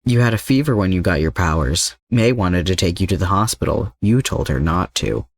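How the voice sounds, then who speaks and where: A man voicing a calm, manipulative older mercenary villain in an audio story, composed and coaxing. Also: low voice, moderate pace, gravelly, dry recording, clean studio sound, heavily acted.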